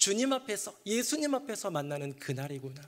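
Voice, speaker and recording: A man speaks with very wide pitch swings. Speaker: senior pastor. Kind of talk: sermon. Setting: church.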